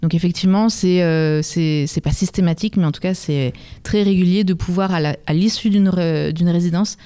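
A woman's voice: on the low side, moderate pace, warm tone, clear, resonant tone. A woman answering as an interview guest for a music venue, explaining things in a conversational, welcoming way.

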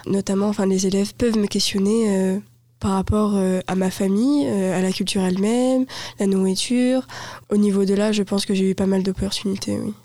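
A woman's voice: mid-range voice, steady tone, a little fast, mellow, dry recording, studio quality. Casual talkative teenage girl. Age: teens. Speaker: student guest.

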